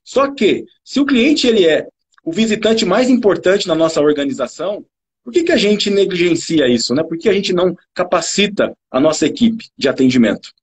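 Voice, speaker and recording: Brazilian male service trainer, husky voice, hammers points home through repetition. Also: high voice, expressive, normal speed. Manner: earnest, repeats key words for emphasis. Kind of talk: direct-to-camera coaching talk.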